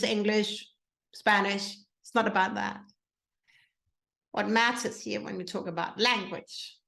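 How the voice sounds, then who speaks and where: A woman's voice: mid-range voice, gravelly, roomy sound. A woman from Denmark with a Danish accent, speaking as a mindset coach and host, putting many questions to her listeners. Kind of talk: motivational talk to listeners.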